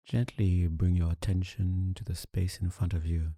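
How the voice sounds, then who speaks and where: A man leading a guided meditation, calm and soothing, speaking in deliberate short phrases with long pauses. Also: low-pitched, dry recording, studio quality. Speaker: meditation teacher.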